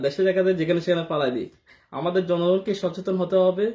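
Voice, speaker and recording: A man talks at a high pitch. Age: 20s. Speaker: park visitor interviewed on livestream. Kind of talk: casual chat. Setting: outdoors.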